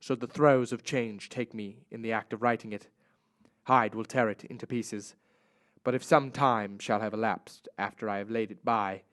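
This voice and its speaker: A man's voice: on the low side, natural voice. A man playing a doomed Victorian doctor in a radio drama, reading his final confession in a grave, formal, theatrical way.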